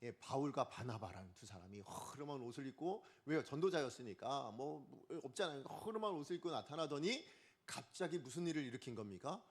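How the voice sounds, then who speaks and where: Lively, animated male pastor preaching. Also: medium pitch, fairly quick. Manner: lively, asks the congregation questions and acts out quotes. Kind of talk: Sunday morning sermon. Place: church sanctuary.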